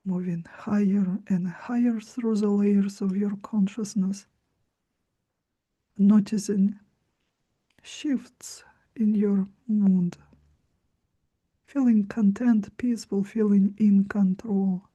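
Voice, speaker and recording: Slow, mesmerizing woman guiding a trance. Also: mid-range voice, fairly even intonation, mellow, dull audio. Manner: mesmerizing, slow, soothing and breathy, often near whisper. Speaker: guided trance practitioner and teacher. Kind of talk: slow guided trance, hypnotic.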